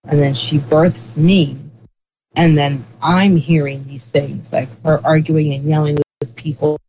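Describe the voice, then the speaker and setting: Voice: mid-range voice, fairly even intonation, a little slow, warm tone, lo-fi sound, a little hiss or hum. An interview guest explaining ideas in a casual, rambling way, leaning on lots of "like" fillers. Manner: rambling, heavy use of "like" fillers.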